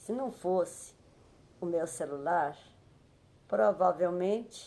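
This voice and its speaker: Medium-pitched woman's voice with a dark, mellow tone and very wide pitch swings. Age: 60s. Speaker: senior smartphone user. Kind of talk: video testimony.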